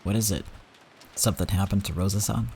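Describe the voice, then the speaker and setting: Man voicing a gentle husband, polite, low-pitched, storybook-style reading. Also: fairly even intonation, brisk, creaky, slight background noise. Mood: concerned. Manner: polite, soft-spoken. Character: gentle caring middle-aged husband.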